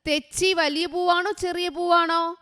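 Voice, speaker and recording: A woman teaching young children, quizzing them with short, repeated questions in a slow, clear manner. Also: very high-pitched, steady tone, pushed and bright, in a large hall. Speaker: online tutor for first graders. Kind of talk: exam revision lesson for young children.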